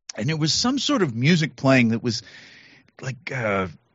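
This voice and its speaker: Speaking at a fairly quick pace, a man uses lively intonation at a medium pitch. His voice is somewhat breathy. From West Virginia, moved from Pennsylvania at seven. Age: 40s. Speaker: podcast guest. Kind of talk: casual chat.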